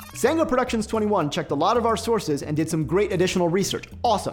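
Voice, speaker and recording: Very fast speech over music in the background. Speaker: science video host. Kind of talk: viewer comment response.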